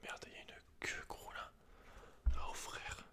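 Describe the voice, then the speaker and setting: A man whispering in breathy ASMR style, reading aloud with informal, slangy asides, close to the microphone. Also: measured pace. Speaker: host of an ASMR channel.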